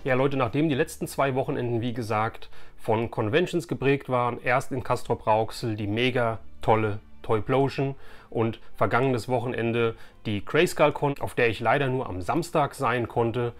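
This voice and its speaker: A man's voice: mid-range voice, normal speed, soft background music. A man chats casually and colloquially to camera as an enthusiastic host. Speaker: YouTube host, toy collector. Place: small furnished room lined with shelves of collectibles.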